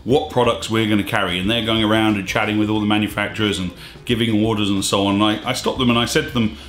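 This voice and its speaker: Slightly hoarse man venting to camera. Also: fairly low pitch, fairly even intonation, quick pace, a bit bright. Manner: emphatic, exasperated, gestures with hands. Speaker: scuba diving channel host. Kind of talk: opinionated to-camera vlog. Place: small indoor studio room. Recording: echoey room with faint music.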